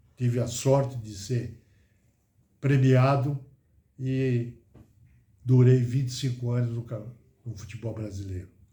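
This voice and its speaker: At a fairly slow pace, a man with a medium pitch and a dark, mellow tone sounds somewhat breathy, keeping fairly even intonation and long, frequent pauses. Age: 80s+. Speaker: retired football referee. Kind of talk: interview.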